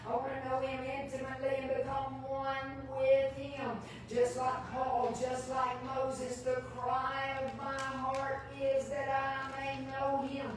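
A woman's voice: high-pitched, completely flat delivery, takes it slowly, hardly any pauses. An older, retired woman teaching the Bible in a devotional sermon, earnest and emphatic, repeating phrases for emphasis. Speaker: Bible teacher preaching in church. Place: large church sanctuary, indoors. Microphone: distant camera microphone. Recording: echoey church hall from far off, background noise.

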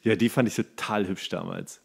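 A man's voice: fairly low pitch, fairly even intonation, moderate pace, gravelly, slightly rough. A man co-hosting a podcast, chatting casually in a colloquial, enthusiastic way. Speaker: podcast co-host. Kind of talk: casual chat about films and series.

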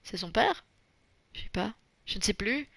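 A woman talks through a narrative game as she streams it. She is relaxed and chatty, but pauses often to search for words and then corrects herself mid-sentence. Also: medium pitch, gravelly, no echo. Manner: hesitant, many fillers and self-corrections. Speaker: gameplay streamer. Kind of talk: casual gameplay commentary.

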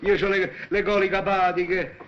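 A man's voice: high-pitched, flat delivery, normal speed, dull audio, slight background noise, lightly acted. A man playing a fussy, whiny uncle. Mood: pleading. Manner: sheepish, whiny excuses. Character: fussy middle-aged uncle making excuses. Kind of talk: 1950s film comedy acting.

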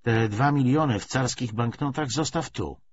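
A man reading the lines of a stern, determined wife who speaks hard and hurried, in an audiobook. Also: mid-range voice, close to an everyday voice. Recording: slightly dull recording, faint noise.

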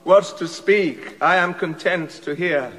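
An actor playing a grieving, repentant older king, speaking verse in an awed, yearning, measured way. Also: a little high, a bit bright. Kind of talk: classical stage acting, audio drama. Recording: long reverb, chapel-like hall.

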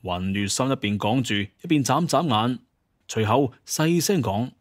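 A man's voice: medium pitch, animated, a little slow, no echo, clean studio sound. A man narrating a story in a dramatic audio-drama style.

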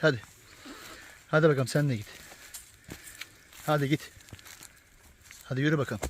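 A man of medium pitch vlogging in the open countryside, recorded on a handheld camera with a faint outdoor hiss behind him. He talks in a casual, coaxing way and often drops into soft, soothing hushes. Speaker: wildlife vlogger. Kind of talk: casual outdoor filming commentary.

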